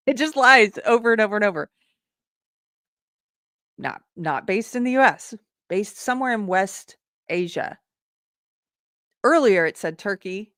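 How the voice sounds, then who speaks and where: Woman, host, casual commentary, mid-pitched, thinks aloud, dry close sound. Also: lively intonation, measured pace, long pauses, a bit bright, dry recording. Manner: thinking aloud, frequent restarts, conversational; reads posts aloud with running commentary.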